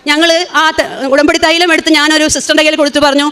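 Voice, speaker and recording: Fervent, fast-talking woman giving testimony. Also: high voice, flat delivery, sharp tone. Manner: fervent, rapid and emotional, with frequent restarts. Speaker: testimony giver. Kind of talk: church testimony.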